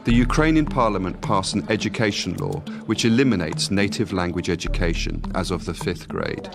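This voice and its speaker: A man giving scripted documentary narration in a measured, formal reading, also voicing translated quotes. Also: low-pitched, vocal fry. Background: music bed.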